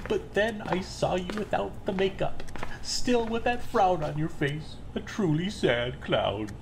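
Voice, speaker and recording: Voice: medium pitch, animated, unhurried, gravelly, poor audio. An actor in an audio drama playing a chatty, self-righteous serial killer who believes angels guide the work, with a breezy, casual manner. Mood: casual, probing. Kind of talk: full-cast audio drama acting. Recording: faint background noise and ambience.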